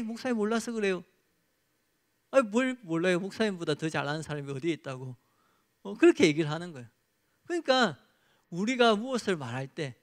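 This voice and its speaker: A male pastor preaching a sermon and leading a closing prayer in an earnest, exhorting manner. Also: high-pitched.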